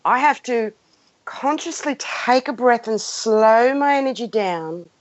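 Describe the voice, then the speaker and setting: A woman's voice: a little high, animated, unhurried. A woman in her fifties giving an unscripted, passionate spiritual talk, speaking emphatically and repeating phrases as she guides listeners. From Greek background. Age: 50s. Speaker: spiritual guide hosting a live session. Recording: muffled, roomy lo-fi sound.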